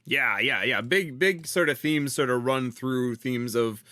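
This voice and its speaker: A man from the United States co-hosting a podcast, talking casually with halting fillers and repeats. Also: mid-range voice, sharp tone, no room sound, clean studio sound. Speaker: podcast co-host.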